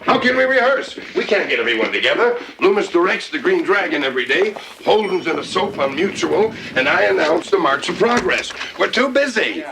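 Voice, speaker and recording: Pompous demanding radio director, creaky and dramatic, noisy old tv sound. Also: male voice, high-pitched, sing-song, fairly quick, hardly any pauses, exaggerated voice. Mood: brisk, commanding. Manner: theatrical, imperious. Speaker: actor in a drama. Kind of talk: theatrical television drama dialogue.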